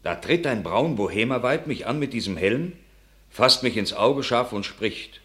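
A man's voice: medium pitch, animated, a bit bright. An actor playing an earnest countryman who bears grave tidings, declaiming in a classical radio play. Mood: bewildered. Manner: grave, declamatory, measured storytelling. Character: earnest countryman bringing grave news of war.

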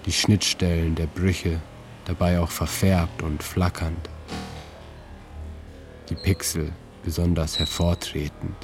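Man, very low voice, monotone, calm literary narration, music behind. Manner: calm, measured, with slow deliberate pauses. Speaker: narrator and author.

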